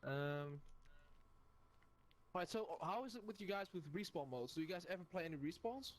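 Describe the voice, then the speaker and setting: A man's voice: high voice, lively intonation, normal speed. A man coaching gamers over a voice call, friendly, with lots of fillers and restarts.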